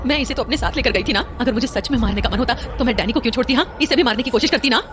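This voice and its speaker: A woman's voice: on the high side, rapid-fire, noisy background, lightly acted. An actress playing an emotional nanny protesting her innocence in a horror audio drama. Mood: desperate pleading. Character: indignant, desperate nanny wrongly accused, a young mother. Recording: dramatic music and crowd behind.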